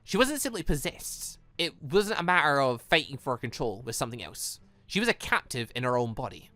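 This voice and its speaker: A calm, shrewd male headmaster played by a man, formal and deliberate, pitched lower and softer for a visual novel. Each phrase is measured and composed, in a dry recording. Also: no echo. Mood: probing, formal. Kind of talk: visual novel character reading.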